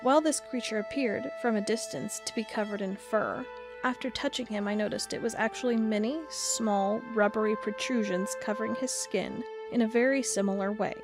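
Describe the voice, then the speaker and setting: A woman acts out a stubborn, driven investigator of strange creatures. She speaks with dramatic, expressive intensity at an average pitch, as in an audio drama. Soft music sits behind her voice. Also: moderate pace, natural voice. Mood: awed, uneasy. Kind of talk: audio drama narration and dialogue.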